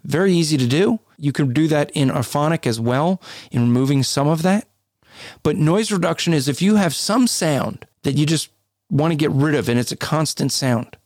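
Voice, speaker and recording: A man with a deep, booming voice co-hosting a podcast, explaining things in a casual, conversational way. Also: animated, moderate pace, darkish tone, dry recording, clean studio sound. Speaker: podcast co-host.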